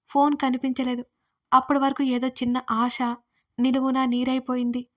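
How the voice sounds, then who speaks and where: A woman author reading her own first-person audio story aloud. Her narration is scripted and steady, with a fairly high voice. The pitch stays narrow and even throughout. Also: normal speed.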